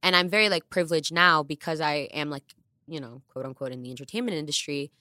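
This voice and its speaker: Fast and candid, a low-voiced woman from the Bronx co-hosts a relaxed podcast conversation. Her animated voice surges up and down in bursts. Recorded on a studio podcast mic, the sound is studio quality with no room sound.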